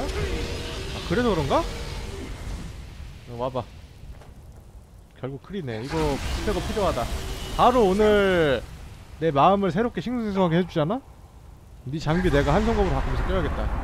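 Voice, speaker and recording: A young man streaming a game, commenting live and swearing, with sudden yelled bursts. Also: a little high, background noise. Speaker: gameplay streamer.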